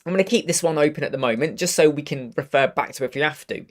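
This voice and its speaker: A man in his thirties with a croaky voice from a cold, chatting upbeat through a live web design tutorial. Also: on the high side, racing. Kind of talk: casual live tutorial chat. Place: home studio room with purple lighting.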